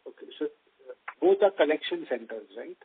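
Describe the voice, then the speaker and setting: Male analyst, husky and fast, short questions down a tinny phone line. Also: on the high side, expressive. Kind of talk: conference call questions. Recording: muffled narrow phone line.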